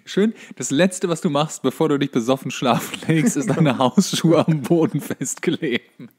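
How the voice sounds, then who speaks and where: A man's voice: fairly high pitch, moderate pace, darkish tone, husky. A man co-hosting a podcast in casual comedic banter, joking and teasing. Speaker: podcast co-host.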